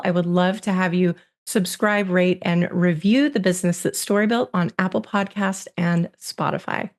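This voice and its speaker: A woman hosts a business podcast with an upbeat delivery. Her voice sits at a middle pitch as she reads a scripted intro and guest bio, then moves into the interview. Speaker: podcast host.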